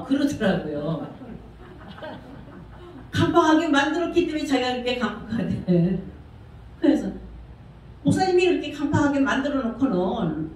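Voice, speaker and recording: A woman pastor with a high, somewhat dark voice preaches in a church sanctuary, speaking conversationally and asking the congregation questions. The recording has slight background noise and was captured from far away in a very echoey church.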